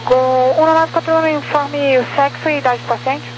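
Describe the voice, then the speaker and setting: A woman's voice: high-pitched, fairly even intonation, normal speed. A woman with a Brazilian accent giving air traffic control instructions over the radio. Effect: aviation radio. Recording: noisy humming aviation radio link.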